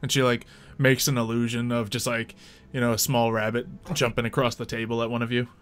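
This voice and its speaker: Bright-voiced man narrating as game master. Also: medium pitch, level tone, clear, resonant tone, faint music behind. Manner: halting, informal. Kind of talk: improvised tabletop game narration.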